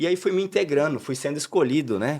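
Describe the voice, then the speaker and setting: A man races along at a very fast pace, his intonation lively. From Campo Grande, Mato Grosso do Sul, Brazil. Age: 30s. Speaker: business owner. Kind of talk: podcast interview. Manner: halting.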